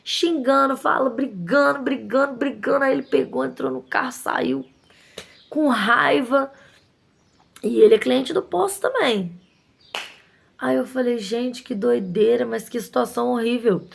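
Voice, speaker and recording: Woman shop owner, fairly high gravelly voice, animated indignant storyteller. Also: a little slow. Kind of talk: casual storytelling to viewers.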